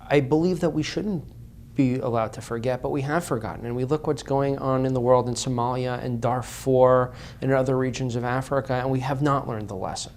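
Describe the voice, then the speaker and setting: A man's voice: mid-range voice, fairly even intonation, fairly quick, darkish tone. A man speaking as an interview guest, earnest and impassioned, repeating phrases for emphasis.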